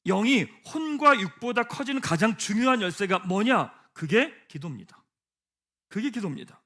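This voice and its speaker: A man's voice: high-pitched, expressive, moderate pace. A man preaching a sermon as pastor, asking the congregation rhetorical questions and leading them in reading scripture aloud. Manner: rhetorical questions, swings from hushed to emphatic. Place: church sanctuary.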